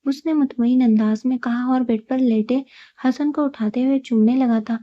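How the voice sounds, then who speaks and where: A woman reading a romantic audio novel in a steady, even storytelling narration. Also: sits high, no room sound. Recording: dull lo-fi recording.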